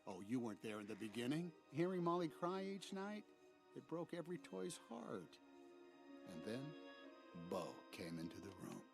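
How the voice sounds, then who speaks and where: A man playing an earnest, easily flustered cowboy rag-doll toy in an animated film, with an eager, stammering, pleading delivery. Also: medium pitch, normal speed, vocal fry, over music. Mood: fond.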